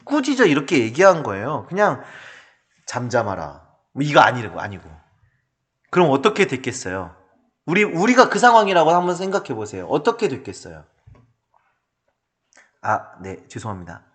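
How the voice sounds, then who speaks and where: Animated, high-voiced male preacher. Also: brisk. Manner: animated, dramatic preaching, rhetorical questions. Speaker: pastor. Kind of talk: sermon.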